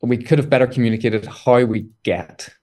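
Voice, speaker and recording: A man talking as a guest physicist in an interview, explaining in a thoughtful, measured way. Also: medium pitch, warm tone. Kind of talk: casual interview talk.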